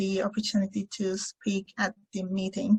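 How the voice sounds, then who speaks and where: With a somewhat breathy voice at a medium pitch, a woman speaks at a fairly slow pace in a dry, close sound with no echo. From Turkey. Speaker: refugee volunteer and church member. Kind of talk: reading aloud prepared speech. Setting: video call.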